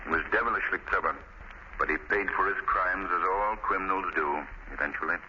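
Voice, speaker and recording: An actor playing a suave, mocking, shadowy crime-fighting avenger with theatrical, measured delivery in a 1930s radio drama. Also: male voice, sits low, close to an everyday voice. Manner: theatrical, commanding, measured enunciation. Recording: muffled, faintly noisy 1930s radio recording.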